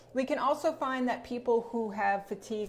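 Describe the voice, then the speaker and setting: In an enthusiastic tone, a woman speaks at a fairly high pitch and a fairly quick pace, with ordinary pitch variation. Audible room echo surrounds her. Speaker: neuropsychologist. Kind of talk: lecture. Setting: livestream video. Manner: fast.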